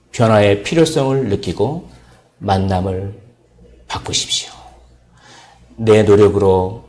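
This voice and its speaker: A man preaching a Sunday sermon as pastor, dramatic, moving from emphatic lines to soft, hushed near-whispers. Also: medium pitch. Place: church sanctuary.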